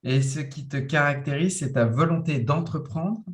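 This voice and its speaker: A man's voice: fairly high pitch, normal speed. A man moderating an online round table over a video call, friendly and informal, speaking with some hesitation.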